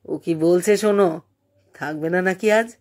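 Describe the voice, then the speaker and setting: Woman reading as slow, familiar married man. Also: fairly low pitch, darkish tone, lightly acted. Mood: matter-of-fact. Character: matter-of-fact married man, hospitable old friend.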